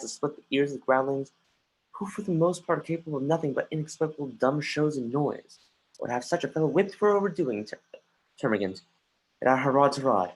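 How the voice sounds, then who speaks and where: An actor playing an earnest, brooding young prince in a Shakespeare stage reading, with a husky voice and halting delivery. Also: male voice, medium pitch, close to an everyday voice, rough recording. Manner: halting, restarts phrases mid-line. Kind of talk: dramatic reading of Shakespeare, often stumbling. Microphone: home computer mic on a livestream.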